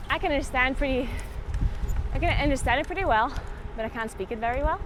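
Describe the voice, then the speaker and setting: A woman's voice: high-pitched, fast. A German-speaking woman chatting with her live viewers while cycling outdoors, laughing often and out of breath. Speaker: streamer. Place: outdoors on a road while biking. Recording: outdoor wind and traffic noise.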